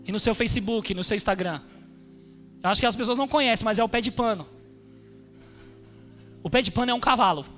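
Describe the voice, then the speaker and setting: A male pastor preaches emphatically to his congregation, calling out for amens. His voice sits fairly high. Faint music plays behind him in the church hall. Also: fairly quick, long pauses, fairly bright tone. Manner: emphatic, addresses congregation as brothers with frequent amens. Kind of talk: sermon. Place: church hall during a service.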